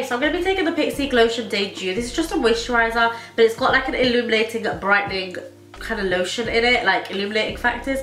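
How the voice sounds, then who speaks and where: A young woman talks through her makeup routine with a blocked, stuffy nose, chatty and gushing. Her voice is bright and a little sharp. It sounds roomy, picked up from a short way off the mic. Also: on the high side, recorded from a distance. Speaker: beauty vlogger. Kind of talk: casual makeup tutorial chat. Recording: echoey room, a bit off mic.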